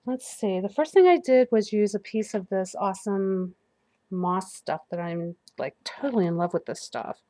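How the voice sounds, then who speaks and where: A woman's voice: mid-range voice, normal speed, mellow, no room sound. A woman getting over the flu, chatting casually to herself while demonstrating a paper craft at her work table. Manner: chatty, self-talking while working, laughs at slips. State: recovering from flu. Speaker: crafting video host. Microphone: overhead camera above work table.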